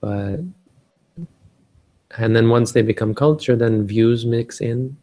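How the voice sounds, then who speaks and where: A man's voice: medium pitch, steady tone, slow, warm tone. A Canadian man giving a rambling casual talk on a live stream, often restarting and searching for words. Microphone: live stream setup.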